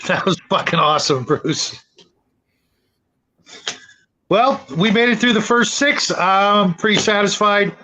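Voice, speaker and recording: A man with a high, bright voice hosts a relaxed group discussion. He talks casually and informally, handing over to others as a panel host does. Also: measured pace, pauses often, low-quality recording. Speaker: host of online roleplaying panel.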